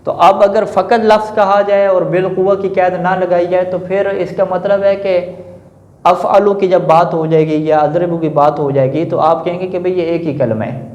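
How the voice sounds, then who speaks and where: A male teacher giving a classroom lecture on grammar, posing questions to the class and answering them himself, often adding a quick confirming filler. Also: high-pitched, darkish tone. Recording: echoey room, dull lo-fi sound.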